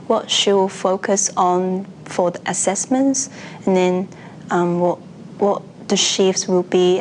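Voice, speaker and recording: Slow, hesitant woman. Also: medium pitch, darkish tone, slight background noise. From Hong Kong. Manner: hesitant, with restarts and fillers. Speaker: nursing student. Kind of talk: personal account for a university video.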